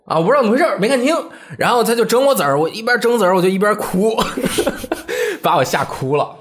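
A man's voice: high voice, racing. A man in his thirties from Hebei, China, co-hosting a casual chat podcast and telling stories with acted-out voices. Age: 30s. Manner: animated storyteller, acts out quoted voices. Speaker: podcast co-host.

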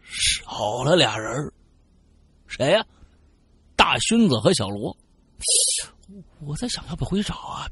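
A man telling a spooky story in an animated, dramatic way. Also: a little high, husky, dry recording. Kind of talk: casual spoken ghost story.

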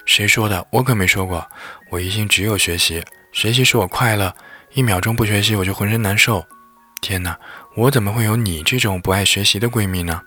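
A man voicing a cheeky, clingy high-school girl, talking in a whiny, playful way, with husky breath. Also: moderate pace, bright, forceful tone, soft background music, exaggerated voice.

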